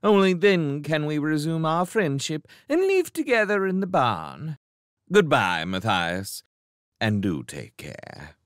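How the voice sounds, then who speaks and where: A man's voice: on the high side, huge pitch swings, takes it slowly, no echo, clean studio sound, voice pushed up, exaggerated voice. A man voicing a languid genteel barn cat. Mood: cautioning. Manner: languid, genteel and slightly prim. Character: idle, refined male barn cat, gentle and fussy.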